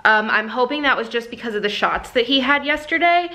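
A woman's voice: fairly high pitch, expressive, fairly quick, sharp tone. A young woman in casual vlog chat from her home office, talking with lots of fillers into a camera mic. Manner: chatty, many fillers, baby-talks to her puppy. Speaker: vlogger and small shop owner.

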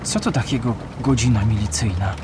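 A man's voice: on the low side, fairly quick, darkish tone, slight background noise, lightly acted. A man playing a curious, earnest young boy who asks questions in a children's educational audio drama. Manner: inquisitive, earnest.

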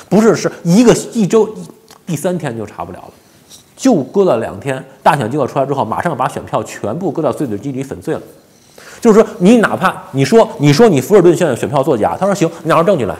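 一位四十多岁、带北方普通话口音的男性，用口语化的方式做时政评论，常用反问和“对不对”之类的追问。. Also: male voice, on the high side. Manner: colloquial, rhetorical questions, frequent tag questions. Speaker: commentator, host of a daily show. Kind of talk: informal political commentary. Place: small indoor home office. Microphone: lapel.

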